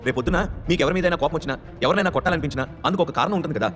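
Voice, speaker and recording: A man voicing a calm, stubborn young man who earnestly defends himself and pleads to be heard. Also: on the high side, racing, faint music behind, pitched above the performer's own voice, close to an everyday voice. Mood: pleading.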